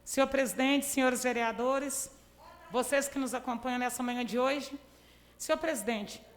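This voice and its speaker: Bright-voiced indignant councilwoman. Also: sits high. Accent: Brazilian Portuguese, Minas Gerais. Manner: indignant, pointed, rhetorical questions. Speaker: city councilwoman. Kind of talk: council floor speech. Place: council chamber. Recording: reverberant council chamber.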